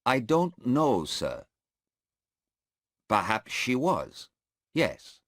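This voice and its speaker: A man's voice: medium pitch, wildly swooping pitch, drawn-out words, a bit bright, dry recording, studio quality, voice pushed up, heavily acted. A man voicing a nervous, polite airport policeman in a court. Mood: hesitant.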